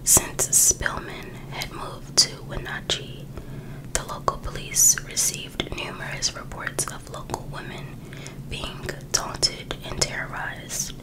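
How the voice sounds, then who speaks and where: An American woman whispering an ASMR book reading in a breathy, hushed voice, now and then dropping in casual asides. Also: poor audio. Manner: slow, hushed, with informal personal asides. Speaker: ASMR host reading a true crime book.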